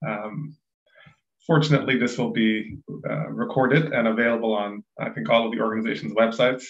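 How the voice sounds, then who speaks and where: Gravelly-voiced male panel moderator. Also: lowish voice, steady tone. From Ethiopia. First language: Amharic. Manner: measured, with many fillers. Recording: dull, echoey room sound.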